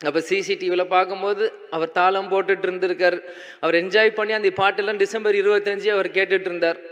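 Young man, tearful halting stage speech, high voice, muffled reverberant hall sound. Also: level tone, fairly bright tone. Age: young adult. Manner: halting, choked up, restarts often. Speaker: speaker at a memorial gathering. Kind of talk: emotional public speech. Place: large indoor stage. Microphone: handheld mic on a stand.

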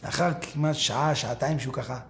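A man giving a sermon, telling a parable with animated storytelling and addressing his listeners directly. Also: mid-range voice. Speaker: preacher.

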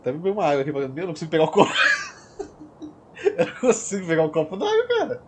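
A young Brazilian man commentating his gameplay, excitable, yelling and swearing as he plays. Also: a little high, racing, slight background noise. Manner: excitable, yells and swears during play. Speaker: gaming channel host.

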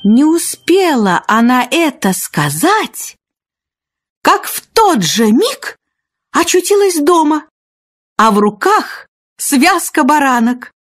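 A woman narrating a children's fairy tale from a script, expressive and husky. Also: high-pitched, takes it slowly, no echo, faint music behind. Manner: expressive storytelling.

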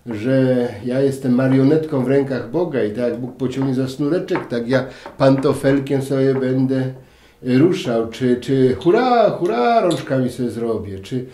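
A priest in his fifties giving a thoughtful spiritual talk to camera, asking questions and then settling into quiet answers. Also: mid-range voice, a little slow, slight background noise. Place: dim room at a table, indoors. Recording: roomy echo, faint music.

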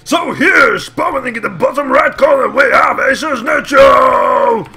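A man putting on a loud, theatrical male Viking caster voice for game commentary, shouting and drawing out his words. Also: extremely high pitch, vocal fry, faint music behind, voice pushed up, full character voice. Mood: bellowing. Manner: shouted, drawn-out hype delivery.

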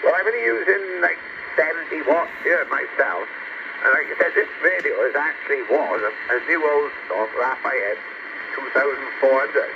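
A man's voice: fairly high pitch, animated, normal speed. A man chatting casually as a CB radio operator, heard through a radio transmission. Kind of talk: casual radio contact chat. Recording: dull CB radio with heavy static.

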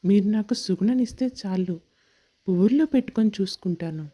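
A woman voicing a sincere, devoted young man in love, earnest and polite, in an animated moral story. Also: medium pitch, brisk, natural voice. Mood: sincere, reassuring.

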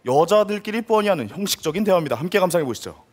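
In a mock-serious tone, a man narrates a sketch comedy segment in a high, animated voice at a very fast clip, asking rhetorical questions and adding laughing asides. The recording comes from a live studio stage, with audience crowd noise in the background.

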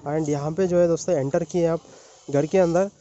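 A young man walks through an outdoor building site, explaining the work in a relaxed mix of Hindi and English with frequent fillers. His voice sits a little high yet mellow. The handheld phone sound is slightly dull, with faint outdoor noise behind him. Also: normal speed. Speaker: civil engineering vlogger. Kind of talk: walking site tour vlog. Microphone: phone held at arm's length.

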